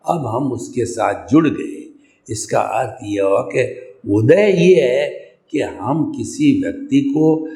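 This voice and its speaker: A man giving a slow, deliberate spiritual lecture, explaining ideas step by step and mixing in English words. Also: mid-range voice, gravelly, mellow, echoey room. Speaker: spiritual teacher.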